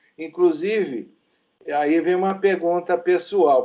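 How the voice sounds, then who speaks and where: Speaking at a fairly slow pace, a man uses ordinary pitch variation in a dark, mellow tone. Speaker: interview host. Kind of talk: interview conversation. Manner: informal.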